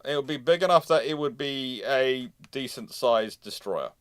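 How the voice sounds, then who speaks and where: A man hosting a casual panel discussion, reading out questions and answering them in a somewhat halting way. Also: medium pitch, a bit bright, smooth, no room sound, studio quality. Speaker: livestream host answering questions.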